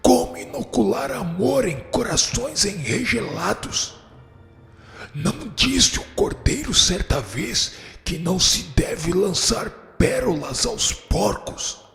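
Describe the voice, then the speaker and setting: Gravelly, haughty dark spirit judge, acted by a man. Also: high voice, lively intonation, slow pace, heavily acted. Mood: scornful, forceful. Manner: pompous, declamatory, scornful. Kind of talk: radio drama acting. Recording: echoey hall reverb with music behind.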